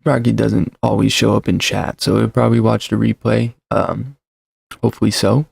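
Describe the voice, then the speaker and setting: A man's voice: on the low side, flat delivery, moderate pace, gravelly, a little mellow, slightly rough, no room sound. A man in his thirties hosting a casual livestream, rambling and self-deprecating, full of fillers and restarts, talking into a desk mic at home. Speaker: livestream host. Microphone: desk mic with shock mount.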